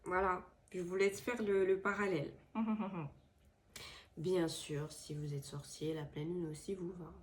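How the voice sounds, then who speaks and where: A woman's voice: lowish voice, fairly even intonation, unhurried, slight background noise. A woman with a head cold giving casual spoken advice to her viewers, hesitant with many fillers and restarts. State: has a head cold, stuffy voice. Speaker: tarot and crystal channel host. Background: washing machine running.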